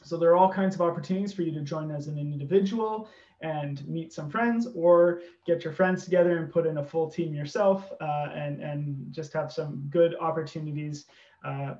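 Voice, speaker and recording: Higher-voiced Canadian man on a muffled call. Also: a little mellow. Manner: informative, with filler pauses and restarts. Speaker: university presenter. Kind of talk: virtual info session presentation. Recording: dull echoey call audio.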